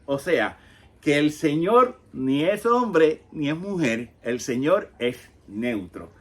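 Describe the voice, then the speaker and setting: A man in his fifties, a Catholic catechist, teaching on a Bible reading in a conversational way, pausing often and asking rhetorical questions. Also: a little high, sing-song, fairly bright tone.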